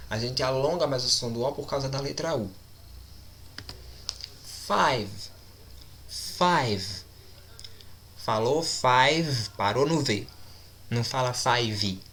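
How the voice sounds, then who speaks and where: A man teaching English numbers, speaking deliberately and repeating each word several times for his students. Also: medium pitch, bright, forceful tone, a little hiss or hum. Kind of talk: recorded language lesson.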